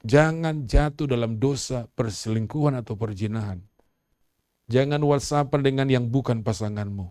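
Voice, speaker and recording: Middle-aged man, pastor's sermon, mid-pitched voice, dry, quiet storytelling then loud exhortation, calls for responses. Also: moderate pace, no room sound.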